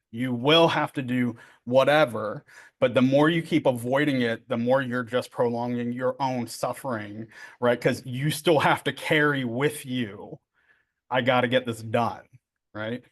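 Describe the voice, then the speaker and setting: A man's voice: medium pitch, measured pace. A middle-aged man giving a casual workshop lecture as a therapy trainer, chatty and joking, with many fillers and tag questions.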